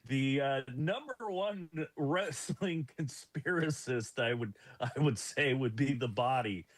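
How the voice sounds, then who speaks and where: A man's voice: medium pitch, takes it slowly, no echo. A man who is a guest on a live talk show, talking in a jokey, playful way. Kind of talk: casual live show chat.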